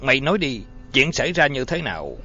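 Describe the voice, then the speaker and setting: A man voicing a big, furious male priest who growls slow, measured threats. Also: mid-range voice, sing-song, pushed and bright. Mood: menacing. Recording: dull lo-fi audio, faint music.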